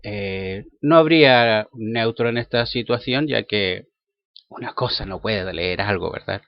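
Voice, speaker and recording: Slow-talking man teaching English. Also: on the low side. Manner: slow, careful, spells words letter by letter. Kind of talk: bilingual language lesson. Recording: dull lo-fi sound.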